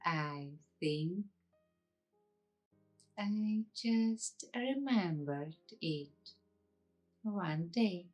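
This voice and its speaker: Very slow, hushed woman, ASMR meditation. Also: on the low side, lively intonation, soft background music. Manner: hushed, unhurried, with long pauses between short phrases. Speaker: ASMR host and meditation guide.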